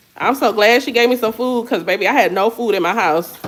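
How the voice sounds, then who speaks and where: Over noticeable background noise, a woman talks in an animated tone. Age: 30s. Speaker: lifestyle vlogger. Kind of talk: casual chat while cooking.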